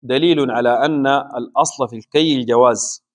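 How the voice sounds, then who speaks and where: Slow, measured male religious teacher. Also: medium pitch. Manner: slow deliberate explanation with pauses. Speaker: Islamic scholar teaching a book.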